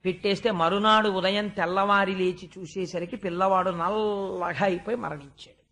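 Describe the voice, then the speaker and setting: A man's voice: sits high, fairly bright tone. A man giving a devotional scripture discourse, telling the story at length and chanting verses in a sing-song lilt. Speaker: spiritual discourse speaker.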